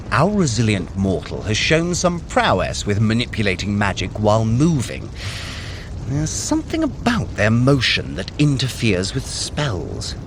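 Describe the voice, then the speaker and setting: A flamboyant, scheming trickster god for an audio drama. He sounds vain and self-satisfied, his pitch sweeping dramatically up and down over a clear rumbling backdrop. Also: background noise. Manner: self-satisfied, theatrical, formal phrasing. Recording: rumbling ambience behind the voice.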